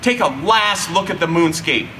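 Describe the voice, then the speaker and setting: A man narrating a children's story expressively, with dramatic, drawn-out emphasis and deliberate pauses. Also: a little high, expressive, sharp tone. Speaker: storyteller reading a children's book. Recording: distant mic, faint background hum.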